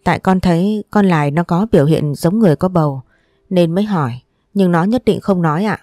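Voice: fairly quick, a little mellow, dry recording, clean studio sound, lightly acted. A storyteller voicing a jealous, quarrelsome young wife who accuses and whines. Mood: whining. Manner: shrill accusing, whining.

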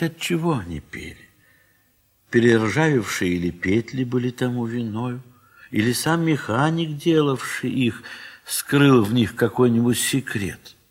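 A man narrating a classic literary story for an audio play in a measured, expressive manner, with a husky voice. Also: medium pitch. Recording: 1970s mono studio recording.

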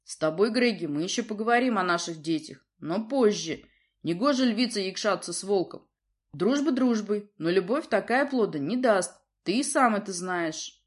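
A woman's voice: medium pitch, lively intonation, moderate pace, close to an everyday voice. A woman voicing a stern, domineering lion prince who scolds his daughter in a roaring, imperious manner. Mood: commanding.

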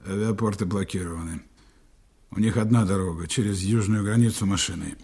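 A cool commanding spy chief. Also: male voice, low-pitched, fairly quick, darkish tone, husky. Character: cunning smooth German agent man. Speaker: intelligence operative commanding a team. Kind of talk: radio play acting.

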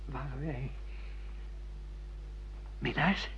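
A man's voice: mid-range voice, very slow, a bit bright, slight background noise. An actor playing a bitter, defiant judge who has lost his memory, argumentative and sardonic, in a Dutch radio play. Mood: subdued, puzzled. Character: bitter amnesiac judge, defiant man refusing his past. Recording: dull lo-fi radio play recording.

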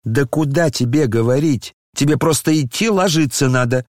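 A man's voice: normal speed, darkish tone, dry recording, lightly acted. A man doing indignant older noblewoman Lizaveta. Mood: scolding. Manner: indignant scolding, shrill outbursts. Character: agitated noble older woman, scolding. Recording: dry close studio sound.

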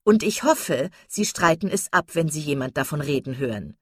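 A woman's voice: deep voice, animated, moderate pace, slightly rough, dry recording, clean studio sound. A woman voicing a silly, vain young woman who talks in an affected, simpering way.

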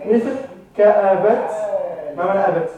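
A man's voice: high voice, normal speed, phone-quality sound, crowd noise. A man teaching a grammar class. He quizzes the students and repeats the key terms. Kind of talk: classroom lesson. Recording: echoey classroom, mic far off.

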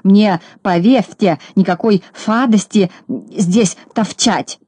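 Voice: mid-range voice, slow pace, a little mellow, breathy edge, no room sound, voice pushed up. A reader voicing a miserly rich little male who grumbles, haggles and says F in place of R, in a dry audiobook recording. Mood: grumbling. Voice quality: lisp, says F instead of R. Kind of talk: audiobook narration.

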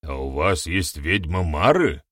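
A man voicing a booming, grave male tribal elder who speaks solemnly. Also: sing-song, takes it slowly, gravelly, husky, dry recording, studio quality, full character voice. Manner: solemn and loud.

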